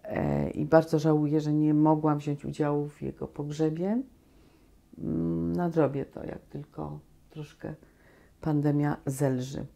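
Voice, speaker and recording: A woman in her sixties, a guest actress, recalling her life in a relaxed, animated way full of restarts, in a small cozy room on a lapel mic. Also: low voice, measured pace, gravelly. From Poland. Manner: animated storytelling with many restarts. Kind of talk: relaxed reminiscing conversation.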